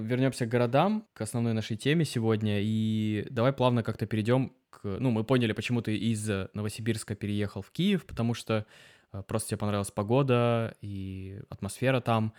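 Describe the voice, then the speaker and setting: A man hosts an informal interview in a fairly low voice. He asks long, curious questions, pausing on drawn-out hesitation sounds as he shapes them. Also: darkish tone. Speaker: host. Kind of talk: conversational interview.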